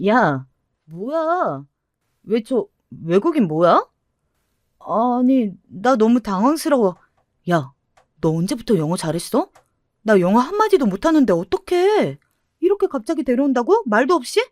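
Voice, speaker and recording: A woman's voice: a little high, sing-song, unhurried, darkish tone, dry recording, clean studio sound, pitched above the performer's own voice. A woman voicing a flustered young woman friend who fires off anxious questions.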